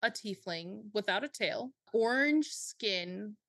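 A woman's voice: medium pitch, expressive, takes it slowly, fairly bright tone, no echo, clean studio sound. A woman playing a tabletop role-playing game, playful and giggly as she describes characters. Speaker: player. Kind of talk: casual tabletop play.

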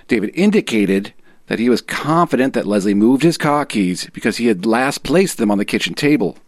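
A man's voice: mid-range voice, dry recording, natural voice. A man voicing a clichéd movie cop with an exaggerated northeastern US accent, formally reading out a police report in a dramatic reading. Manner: formal, procedural, matter-of-fact.

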